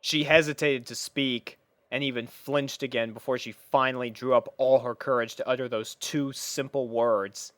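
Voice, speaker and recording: A woman narrating a scripted story in an expressive manner. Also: extremely low pitch, normal speed, dry recording.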